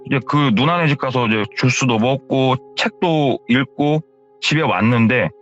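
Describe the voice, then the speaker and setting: A man's voice: mid-range voice, normal speed, a bit bright, muffled recording, soft background music. Man casually retelling a horror story. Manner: casual spoken retelling, hearsay endings. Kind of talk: retold first-person horror story.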